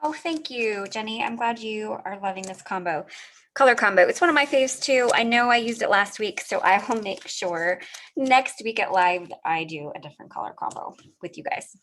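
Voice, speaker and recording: A woman's voice: medium pitch, animated, moderate pace, a bit bright, a little hiss or hum. A middle-aged woman hosts a live craft demo over a video call, talking viewers through each step in a friendly, chatty way. She is a little sniffly and often stops to answer comments from the chat. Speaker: craft livestream host.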